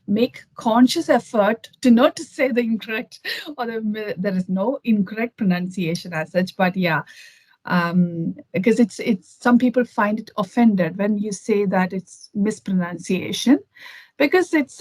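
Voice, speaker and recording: A woman's voice: mid-range voice, a little slow, a little mellow, no room sound, low-quality recording. A woman from Kerala with an Indian accent, chatting thoughtfully as a guest on a video call, with many fillers and restarts. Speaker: interview guest. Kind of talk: casual conversation over a video call.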